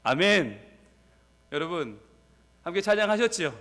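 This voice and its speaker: A male pastor with a Gyeongsang Korean accent, preaching an energetic sermon and leading his congregation in call-and-response. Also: sits high, unhurried, big-room sound.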